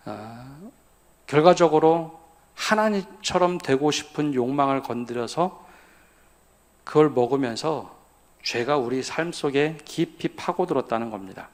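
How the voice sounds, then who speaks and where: A male pastor preaching at a midweek church prayer service, often putting questions to the congregation and then answering them himself. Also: medium pitch. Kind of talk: sermon.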